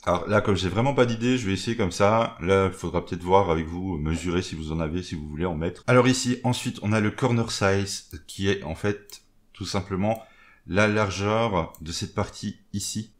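A man talking through a software tutorial in a relaxed way, narrating each step as he goes with little interjections and stumbling over English terms. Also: deep voice. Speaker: maker explaining a software tool. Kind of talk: screen-recorded tutorial.

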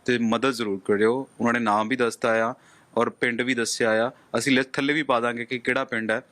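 A man's voice: medium pitch, little pitch movement, brisk, a bit bright. A man reporting on the spot from a flooded village, consoling the people he interviews in short, broken phrases. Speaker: news reporter.

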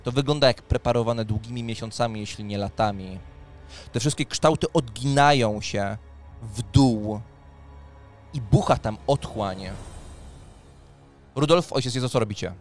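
A man's voice: mid-range voice, normal speed, pauses often. Man narrating a tabletop fantasy game. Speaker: game master and host. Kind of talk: narrating a tabletop role-playing session. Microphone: close studio microphone on a boom arm, headphones. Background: faint background music.

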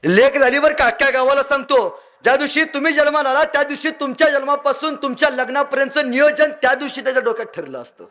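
A man's voice: extremely high pitch, fast, few pauses, bright, forceful tone. Dramatic storytelling man. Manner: dramatic, acts out voices in anecdotes, emotional swings. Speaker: motivational speaker. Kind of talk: motivational speech with storytelling.

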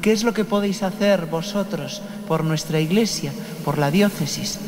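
Sacerdote español con eco de catedral. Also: male voice, high-pitched, moderate pace. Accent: Spanish from Spain. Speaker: Catholic priest leading Mass. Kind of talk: homily and liturgical prayer. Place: large stone cathedral, indoors. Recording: long cathedral echo with noise.

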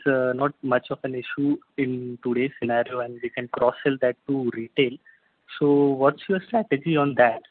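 A man calling in over a faint, breaking phone line to ask questions on an earnings call, halting and full of fillers. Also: mid-range voice, dry recording. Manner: halting, repeats hello, many fillers. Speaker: analyst caller. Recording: tinny dry phone line.

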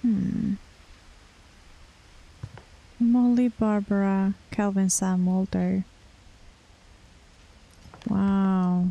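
A woman's voice: medium pitch, level tone, extremely slow, gravelly, long pauses, mellow, muffled recording. A young woman streaming a game, musing aloud with murmurs and casual reactions. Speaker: gaming streamer. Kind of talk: casual let's-play commentary.

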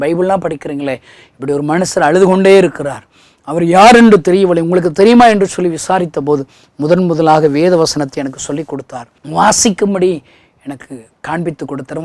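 Male preacher, village Tamil accent, high voice, dry close sound, testimony sermon that rises from near-whisper to fervent pleading. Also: dry recording. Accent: Tamil Nadu village Tamil. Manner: swings from hushed to loud impassioned pleading.

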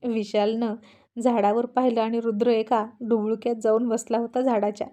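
Warm-voiced woman reading a serial story. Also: fairly high pitch, little pitch movement, moderate pace.

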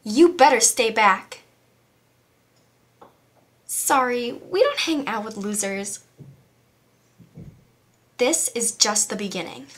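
A woman's voice: on the high side, animated, slow, long pauses. A woman voicing a haughty, threatening mean girl in an amateur series audition. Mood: menacing.

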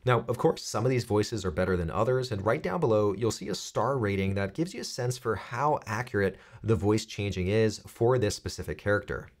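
An American man in his thirties giving clear, step-by-step instructional narration for a software tutorial. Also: on the low side, brisk, few pauses. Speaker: tutorial presenter.

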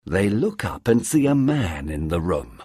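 A man narrating a storybook for English learners in a slow, clear, expressive way. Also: low-pitched, no room sound, clean studio sound.

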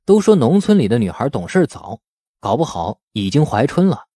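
A man reading a novel as an audiobook narrator, in an expressive storytelling manner. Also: mid-range voice, moderate pace, no room sound, studio quality. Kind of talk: scripted dramatic novel narration.

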